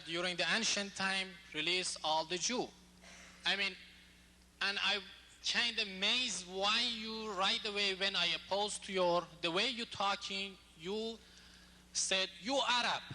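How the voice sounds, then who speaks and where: A man from Iran presses a lecturer from the audience floor, halting and insistent in his phrasing. His voice is high and very sharp, and it rings with long reverb in a large hall. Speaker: audience member asking a question. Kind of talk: heated question from the floor. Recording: echoey hall, from off-mic.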